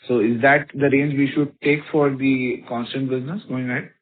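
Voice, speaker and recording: A man's voice: medium pitch, fairly even intonation, normal speed. An Indian-accented man, a financial analyst asking questions on an earnings call, politely and a little hesitantly. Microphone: phone. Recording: tinny, radio-like phone line.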